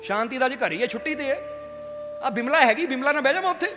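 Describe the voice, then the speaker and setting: A man's voice: very high voice, animated, very fast. A man voicing a mischievous schoolboy answering his teacher in a cheeky, playful way. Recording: long hall reverb with faint music.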